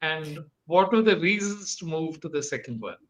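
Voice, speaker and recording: A podcast host interviewing a guest, mostly giving short acknowledgements and asking measured questions. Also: medium pitch, expressive, low-quality recording.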